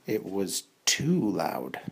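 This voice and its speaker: A woman's voice: very deep voice, big pitch swings, drawn-out words, creaky, slight background noise. A woman telling a suspenseful bedtime story for children in a dramatic, improvised way, repeating words for effect.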